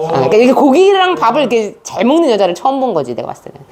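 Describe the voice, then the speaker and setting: A woman teaching an English reading lesson in a chatty, storytelling way, with asides to her students. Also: high voice. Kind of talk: casual classroom lecture.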